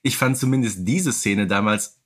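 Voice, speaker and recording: A man's voice: lowish voice, normal speed. Man in humorous podcast chat. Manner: humorous, tongue-in-cheek. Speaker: podcast co-host. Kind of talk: casual podcast discussion.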